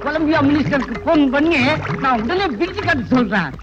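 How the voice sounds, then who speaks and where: A man's voice: extremely high pitch, expressive, a little fast, lo-fi sound, loud music behind the voice. An actor playing a comic male household servant who spins tall tales, in 1980s Tamil film comedy. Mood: boastful.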